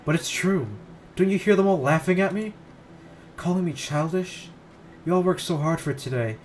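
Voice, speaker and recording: A man's voice: medium pitch, moderate pace, lightly acted. A man voicing a despairing teenage schoolgirl on a rooftop ledge, pleading and stumbling over the text, over background noise. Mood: upset.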